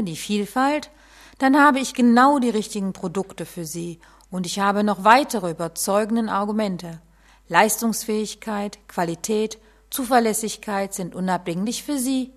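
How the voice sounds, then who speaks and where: A woman making a persuasive sales pitch in the style of a market barker, calling the crowd closer. Her voice sits at an ordinary middle pitch. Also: moderate pace.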